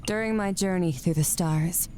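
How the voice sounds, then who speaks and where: A woman plays a gentle, reflective female star-traveler from a video game. Her voice is very low and mellow, unfolding a tale with calm wonder. Faint ambient noise sits behind her. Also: moderate pace, natural voice.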